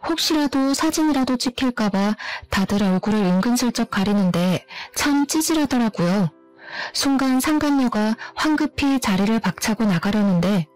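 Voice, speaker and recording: A woman's voice: a little high, darkish tone, dry recording, low-quality recording. A woman narrating a first-person story in scripted style, indignant and sarcastic.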